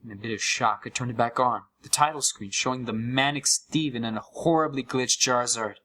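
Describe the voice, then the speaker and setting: A man playing a haunted gamer, narrating a scripted horror story with deliberate, dramatic pauses full of dread. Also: mid-range voice, pushed and bright, lightly acted. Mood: stunned dread.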